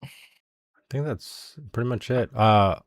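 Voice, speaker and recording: A man narrating as game master in a tabletop game, halting with many fillers. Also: mid-range voice, no echo.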